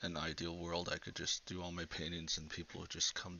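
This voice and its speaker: A man is whispering quietly. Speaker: digital artist streamer. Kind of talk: casual live stream talk while painting. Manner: quiet, almost whispering; halting, many fillers.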